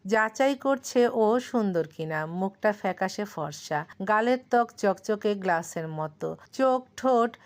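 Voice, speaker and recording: Female audiobook narrator, medium pitch, dramatic and expressive delivery for romantic fiction. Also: unhurried. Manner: expressive, acts out dialogue.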